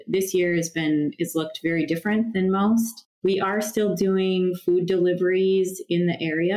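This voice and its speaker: A woman's voice: fairly low pitch, a little mellow, rough recording. A woman from northern Minnesota answering questions casually as a podcast guest. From northern Minnesota, United States. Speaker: podcast guest, nonprofit founder.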